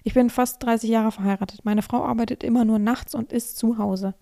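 Hoarse woman, frank podcast host. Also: on the high side, fairly even intonation, brisk, warm tone. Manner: frank, advising listeners directly. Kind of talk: casual podcast monologue, reading a listener's letter aloud.

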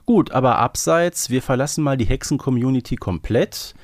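A man's voice: mid-range voice, expressive, normal speed, no room sound, studio quality. A man chatting casually as a podcast co-host, often seeking agreement with little tag questions. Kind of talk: casual podcast discussion of an audio drama series.

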